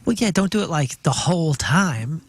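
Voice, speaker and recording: Rambling co-host with a raised voice. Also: male voice, fairly high pitch, expressive, no echo. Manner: rambling, halting restarts. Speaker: radio show co-host. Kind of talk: casual radio chat. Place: radio studio.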